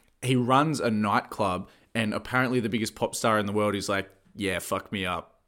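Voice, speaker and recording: Here a man with an Australian accent speaks at a moderate pace. The recording is very clean, with a silent background. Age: 30s. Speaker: podcast host. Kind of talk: casual chat.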